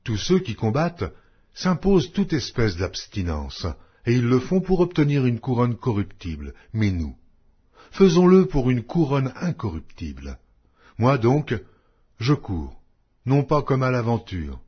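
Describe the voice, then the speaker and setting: A man narrates scripture in a solemn, measured and emphatic style. His mid-pitched voice moves with animated rises and falls and has a husky grain. The recording sounds dull and lo-fi. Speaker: narrator of an audio Bible.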